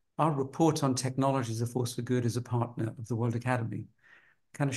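A man speaks with a somewhat breathy voice and fairly even intonation over a quiet background. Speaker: panel moderator. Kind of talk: conference introduction. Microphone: video call.

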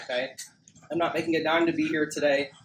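A man talks over light background noise. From Texas, Dallas Fort Worth area; Texas. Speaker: dog trainer. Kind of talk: live seminar class; informal talk to a small audience. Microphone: camera far.

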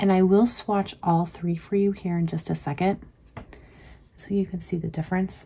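Somewhat breathy and dark, mellow in tone, a woman speaks at a moderate pace with a fairly low pitch and fairly even intonation. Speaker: beauty vlogger. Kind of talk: makeup tutorial chat. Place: home room. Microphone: phone near.

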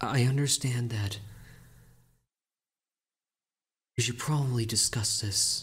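Soft-spoken with a gentle tone, the voice moves at a fairly slow pace. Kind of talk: soft comforting roleplay monologue. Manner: soft, gentle ASMR comforting voice.

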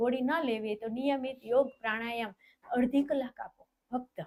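A woman's high-pitched voice carries a dark, mellow tone with ordinary pitch variation. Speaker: yoga coordinator. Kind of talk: interview. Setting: studio.

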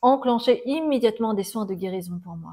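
A woman speaks with a fairly high voice and lively intonation. The background is quiet. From France, Paris. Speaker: medium doing tarot readings; tarot reader. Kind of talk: tarot card reading monologue. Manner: hesitant, many fillers. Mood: calm, warm, reflective. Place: home room. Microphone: lapel.

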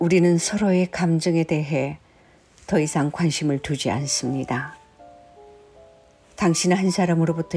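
A woman's very deep, low pitch with ordinary pitch variation and a calm tone, at a fairly slow pace over music in the background. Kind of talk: poetry reading. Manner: soft-spoken, calm.

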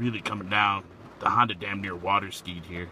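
With a dry sound, no echo and light background noise, a man speaks at a moderate pace and fairly low pitch. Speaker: store worker vlogger. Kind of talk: casual vlog chat. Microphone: phone near.

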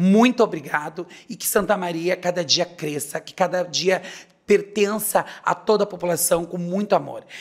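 Against a quiet background, a man talks at a high pitch. His intonation is fairly even and his pace moderate. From Itaqui, Rio Grande do Sul, Brazil. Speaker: city councillor. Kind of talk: political interview. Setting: studio. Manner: halting. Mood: earnest, emotional life story. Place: studio. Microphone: podium.

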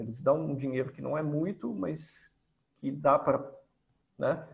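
The speech is fairly slow and somewhat breathy, with lively intonation. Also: man. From Brazil, Minas Gerais. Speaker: physics professor; speaker. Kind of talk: lecture. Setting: video call. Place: home room. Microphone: webcam.

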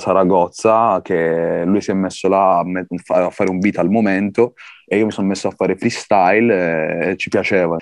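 Monotone, flat intonation in a dry sound with no echo, over a quiet background. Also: man. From Ethiopia. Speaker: rapper; interviewee. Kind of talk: interview. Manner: hesitant, many fillers. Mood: relaxed, thoughtful. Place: studio. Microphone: video call.

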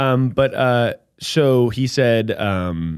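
The man's voice shows ordinary pitch variation, and the background is quiet. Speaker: podcast co-host. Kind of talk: casual podcast chat. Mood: excited, warm. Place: home room. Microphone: studio mic.

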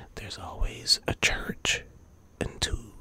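A very slow, relaxed whisper with an American accent. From New Orleans, Louisiana, USA. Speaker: local tour guide of his own city. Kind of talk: casual talk to camera, guided tour narration. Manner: soft-spoken, relaxed. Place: street. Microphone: phone near.

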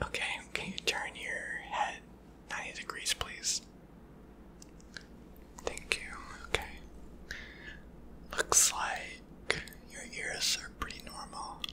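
Whispering at a very slow pace, a man leaves long, frequent pauses while his loudness swings widely. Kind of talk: soft roleplay addressing viewer. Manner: soft, close ASMR exam voice. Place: home room. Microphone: phone near.

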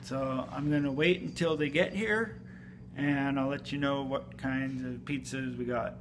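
Noticeable background noise runs under the clip. A man talks at a fairly slow pace. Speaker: vlogger. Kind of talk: casual vlog chat. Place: home room. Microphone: phone near.

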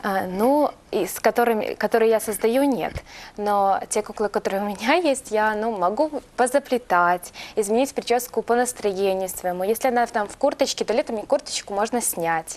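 A woman talks in a normal speaking voice. Her pace is moderate, and her pitch variation is ordinary. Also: fairly high pitch for a woman. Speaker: doll maker. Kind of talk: TV interview. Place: studio. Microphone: lapel.

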